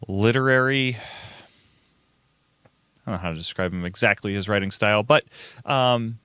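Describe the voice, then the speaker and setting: Amateur male narrator for a radio play reading: bright voice, mid pitch, dry close recording. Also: clean tone, no echo. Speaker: narrator and reader of all parts.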